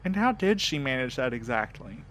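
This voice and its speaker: A man's voice: mid-range voice, very animated, normal speed, a bit bright, slight background noise, rough recording. A man playing a weary, protective and dryly sardonic character in a naturalistic audio drama. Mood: weary, worried.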